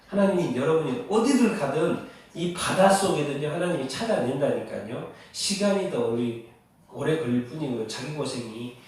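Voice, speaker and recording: A man's voice: on the high side, a little mellow. A man preaching a sermon as pastor. He keeps asking the congregation rhetorical questions and answers them himself, with strong emphasis. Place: church sanctuary. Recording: echoey hall, voice heard from a distance.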